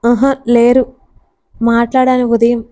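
A woman reading a storybook's young wife who hides her tears and speaks quietly and guardedly. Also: a little high, level tone, measured pace, dry recording, close to an everyday voice. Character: tearful young wife hiding her hurt.

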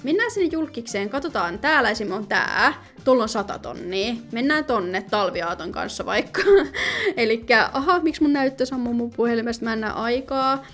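A woman's voice: fairly high pitch, soft background music. Chatty young woman pleading at a game. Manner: chatty, pleading and excitable, reading game options aloud. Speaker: gaming video host. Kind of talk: casual gameplay commentary.

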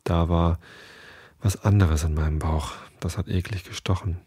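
A man hosting a sleep podcast, reading a bedtime story aloud in a calm way and now and then restarting a sentence after a slip. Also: sits low, moderate pace, slightly rough, no echo, studio quality. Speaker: podcast host.

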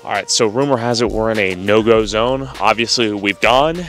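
A man's voice: fairly low pitch, fairly even intonation, moderate pace, fairly bright tone, faint music behind. A young man asking probing questions on a city street, holding a handheld mic. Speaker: street interviewer. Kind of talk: street interview for a documentary vlog.

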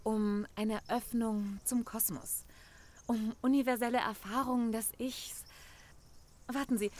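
A woman's voice: mid-range voice, a little mellow, lightly acted. A woman playing an effusive, devout member of a spiritual community in an audio drama, with an inviting, gushing manner. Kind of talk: German audio drama acting.

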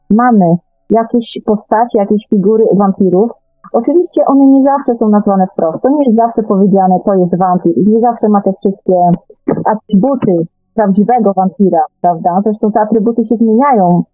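A woman's voice: medium pitch, no echo. A woman speaking as a guest in a radio discussion, explaining eagerly and often rephrasing herself. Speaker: guest author. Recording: narrow, tinny phone-like call line.

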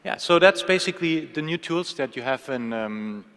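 A man in his thirties presenting a live software demo at a conference keynote, talking casually with many fillers and restarts from a podium mic. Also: on the high side, animated, normal speed, clear, resonant tone. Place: large conference hall stage. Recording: long hall reverb.

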